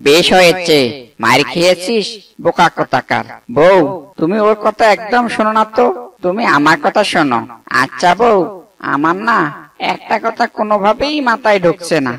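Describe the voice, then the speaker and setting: A man's voice: high voice, lively intonation, moderate pace, fairly bright tone, far from the mic. A man voicing a silly, eager young bird bridegroom in a cartoon, goofy and exaggerated. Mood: puzzled, naive.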